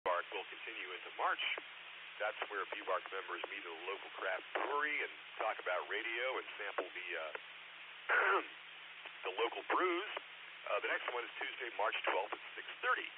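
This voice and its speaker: A man reading out radio club announcements, steady and a little hesitant. His voice sits low, and the narrow radio signal carries a clear hiss and hum. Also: moderate pace. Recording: noisy tinny radio transmission.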